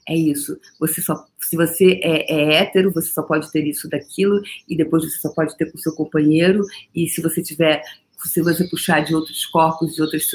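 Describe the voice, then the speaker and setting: A woman from Brazil hosts a live stream workshop in an animated, playful voice. She laughs often and drifts into repeated, chant-like phrases between loose, chatty stretches. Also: fairly low pitch. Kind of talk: casual spiritual coaching live stream.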